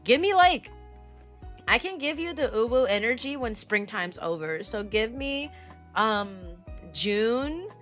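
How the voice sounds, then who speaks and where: A woman streamer chatting casually with her viewers, her voice raspy and weak from allergies, rambling in loose slang. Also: on the high side, animated, takes it slowly, a bit bright, faint music behind. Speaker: VTuber streamer. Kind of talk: casual livestream chat, replying to chat.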